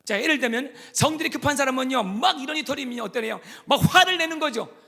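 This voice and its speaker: A middle-aged man preaching a church sermon, dropping to hushed asides and then rising to loud, emphatic repetition, with English words mixed into his talk. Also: very high voice, animated, fast, vocal fry. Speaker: pastor. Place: church sanctuary.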